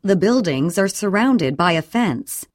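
A woman reading short English sentences slowly and clearly for a listening and repetition drill. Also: on the low side, no echo, clean studio sound. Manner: clear, even, deliberate reading. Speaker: English audio reader.

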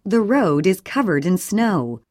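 A woman reads short English sentences for a language drill, each one clear and deliberate. Her intonation moves lively up and down. The sound is dry and close, with no room behind her. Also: medium pitch, no room sound. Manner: clear, even, deliberate reading. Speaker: English audio reader. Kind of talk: slow scripted English sentence reading for drills.

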